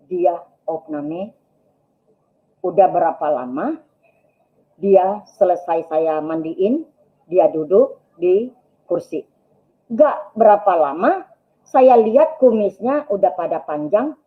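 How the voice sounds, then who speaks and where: A woman tells a church congregation her personal story, slipping into the voices of the people in it and turning to her listeners again and again as brothers and sisters. Her voice comes through thin and tinny, like a phone line. Her pitch sits in the middle of the usual range. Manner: storytelling, acts out dialogue, keeps addressing listeners as brothers and sisters. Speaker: testimony speaker at a church broadcast. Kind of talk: personal testimony told to a congregation.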